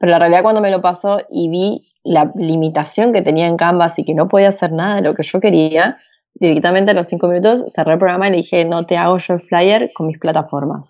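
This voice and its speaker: A woman talks fairly quickly in an unremarkable speaking voice, fairly low in pitch. Her pitch varies in an ordinary way, with hardly any pauses. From Argentina, Buenos Aires. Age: 20s. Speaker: graphic designer. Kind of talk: casual chat.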